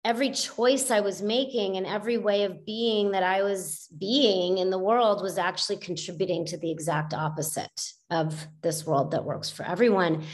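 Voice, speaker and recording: A middle-aged woman telling her own story as a guest on a podcast, in a reflective way, with many fillers and restarts. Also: mid-range voice. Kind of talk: casual storytelling in a podcast interview.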